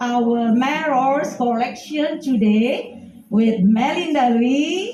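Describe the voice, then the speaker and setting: A woman's high-pitched voice with an Indonesian accent and lively intonation, with audible room echo and noticeable background noise. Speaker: company executive. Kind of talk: speech at launch event. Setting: live event with audience. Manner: halting.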